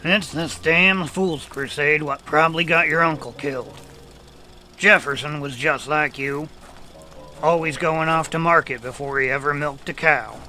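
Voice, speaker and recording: A man's voice: on the high side, a little slow, sharp tone, faint music behind, rough recording. A man playing a folksy, word-muddling country man who is secretly a beast, in an audio drama with a Southern American accent. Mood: exasperated. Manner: folksy, drawling, muddles words. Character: folksy rural Louisiana man, secretly a man-eating werewolf.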